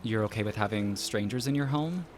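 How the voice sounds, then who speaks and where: An actor playing a wary traveler in an audio drama, wry and understated. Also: male voice, on the low side, fairly quick, a little hiss or hum, natural voice.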